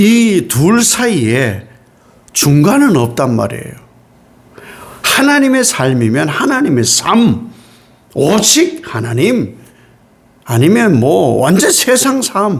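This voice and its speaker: A man with a Gyeongsang accent speaks very slowly in a high voice with very wide pitch swings and long, frequent pauses, amid audible room echo and noticeable background noise. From Gyeongbuk, South Korea. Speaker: pastor. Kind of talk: sermon.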